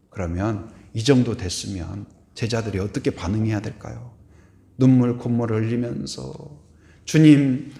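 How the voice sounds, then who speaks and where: Animated preaching man in echoey church. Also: on the high side. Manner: asks the congregation questions and has them repeat lines; swings between hushed and loud delivery. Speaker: pastor. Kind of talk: Sunday sermon. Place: church sanctuary.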